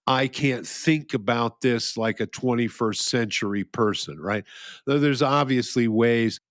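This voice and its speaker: A man's voice: mid-range voice, a little slow, a bit bright, dry recording, studio quality. A man co-hosting a podcast in casual philosophical chat, rambling with frequent restarts and chuckles. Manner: rambling, restarts often, laughs at own jokes. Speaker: podcast co-host.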